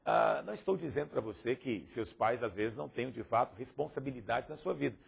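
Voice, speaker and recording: A man's voice: mid-range voice, animated, brisk, creaky, breathy edge. A man teaching a Bible lesson in a pastoral course, asking rhetorical questions and acting out the people he quotes. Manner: asks frequent rhetorical questions; acts out quoted speakers.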